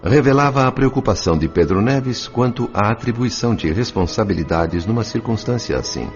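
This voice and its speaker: A man's voice: on the low side, animated, fairly quick. A man reading scripted narration for an audio drama. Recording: dull lo-fi audio. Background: music.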